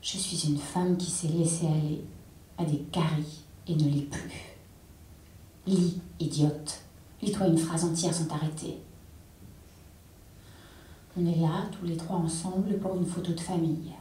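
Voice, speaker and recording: A woman reads a literary text aloud in an intense, measured way, her voice low and dark. She is heard from a distance on a theatre stage, and the room gives a strong, ringing echo. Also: fairly even intonation, a little hiss or hum. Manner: intense, measured dramatic reading. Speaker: reader. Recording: echoey hall, distant mic.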